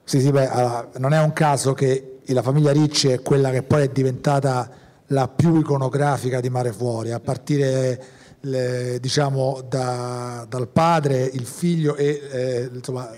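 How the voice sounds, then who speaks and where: A man's voice: medium pitch, steady tone, unhurried, warm tone. A man, a director, talking on a festival panel in a rambling way, restarting his sentences often. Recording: reverberant hall.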